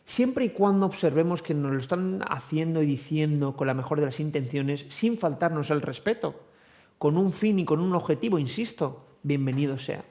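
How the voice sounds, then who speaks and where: A man speaking as a psychologist in a television interview, explaining patiently with examples and frequent pauses on "eh". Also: fairly high pitch, darkish tone. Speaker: psychologist guest.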